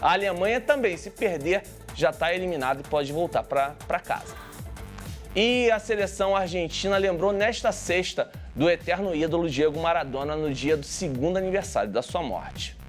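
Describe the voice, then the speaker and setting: Brief: male TV sports reporter, high-pitched, chatty, light music under. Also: normal speed. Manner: chatty asides to viewers.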